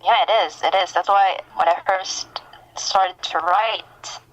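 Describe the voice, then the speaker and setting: A woman guest in a casual fan chat, talking in a gushing, excitable and informal way. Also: mid-range voice, a little slow, poor audio. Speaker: podcast guest, fan fiction writer.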